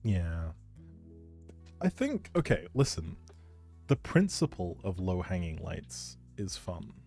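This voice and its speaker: A man's voice: sits low, big pitch swings, slow, mellow, faint music behind. A man chatting casually to viewers on a game livestream, musing aloud as he plays. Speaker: game streamer. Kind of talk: casual livestream chat while playing a life-simulation game.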